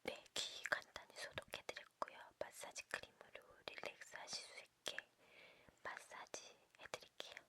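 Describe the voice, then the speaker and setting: A woman doing a whispered role-play as an ear cleaning attendant, in a breathy, unvoiced whisper, politely and reassuringly explaining each step. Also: moderate pace.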